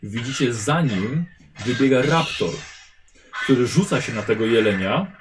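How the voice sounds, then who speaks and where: Lively male game master narrating a tabletop session, expressive pitch. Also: unhurried, noisy background. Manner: lively, animated storytelling.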